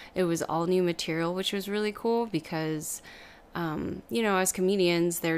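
A woman's fairly low voice, moderate in pace with fairly even intonation, on a very clean recording with a silent background. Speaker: podcast host. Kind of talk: casual solo monologue. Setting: home recording with USB microphone. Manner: pauses to think between thoughts.

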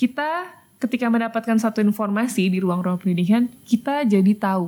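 Her delivery is fairly quick, and her intonation is lively. This woman's voice carries a somewhat breathy quality. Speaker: podcast co-host and education activist. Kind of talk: casual interview conversation.

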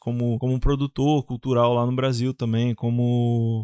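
A man speaks at a fairly slow pace and medium pitch on a very clean recording with a silent background, dry and close with no echo. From Espírito Santo, Brazil (Guarapari). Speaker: painter, street artist. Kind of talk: casual interview chat. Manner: halting, many repeated words.

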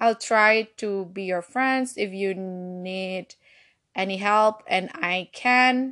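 Speaking very slowly with a non-native accent, a woman has a bright, sharp tone, medium pitch and ordinary pitch variation. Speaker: solo podcaster. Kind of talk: casual monologue.

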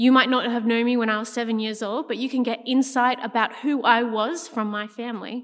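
With an Australian accent, a woman speaks in a high voice at a moderate pace. Her intonation is monotone and flat, and there is noticeable background noise. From Australia, childhood partly in California. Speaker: assistant pastor. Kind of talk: sermon. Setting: church service. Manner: frequent fillers, uh and um.

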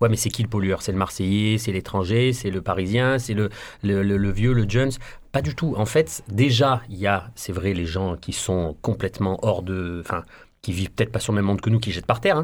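The speaker uses a normal speaking voice at a moderate pace. Pitch moves up and down in an ordinary way. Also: man, fairly low pitch for a man, very clean recording, silent background. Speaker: association founder, litter cleanup activist. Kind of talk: casual radio interview. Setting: radio studio.

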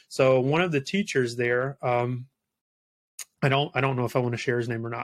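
A man speaks in a normal speaking voice at a medium pitch. His pace is fairly quick and his intonation fairly even. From South Carolina. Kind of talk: casual interview chat.

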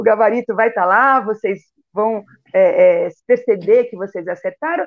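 A woman's high-pitched voice at a fairly slow pace. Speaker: biology teacher. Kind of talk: educational interview. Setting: live stream.

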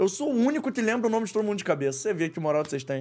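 A man with a high pitch races along at a very fast pace, his pitch swinging very widely. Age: 30s. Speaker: podcast host. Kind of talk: casual chat. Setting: studio.

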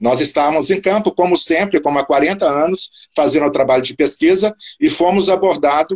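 The man's voice is high in pitch. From Brazil, Minas Gerais and Rio de Janeiro. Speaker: marine science professor. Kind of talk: live radio interview.

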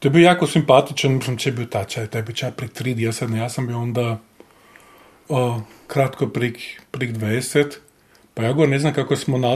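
A man at a medium pitch, with fairly even intonation. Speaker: lawyer. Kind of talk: casual chat. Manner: halting.

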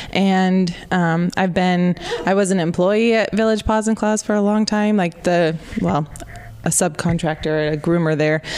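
A woman with an American accent speaks at a fairly slow pace, with fairly even intonation and very even loudness. Noticeable background noise runs underneath. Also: medium pitch for a woman. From California. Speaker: pet groomer and small business owner. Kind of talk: radio interview.

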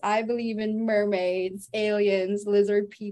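With a fairly high voice, a woman speaks at a very slow pace. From Philippines. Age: 20s. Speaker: law student. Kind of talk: casual chat.

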